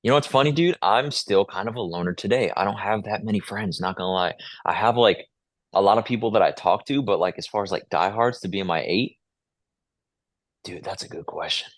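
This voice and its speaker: Man in his twenties, low voice, dry close sound, casual slangy interview chat. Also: brisk, no echo. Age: 20s. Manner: informal, slangy, peppers talk with "dude" and "like". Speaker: podcast guest, musician.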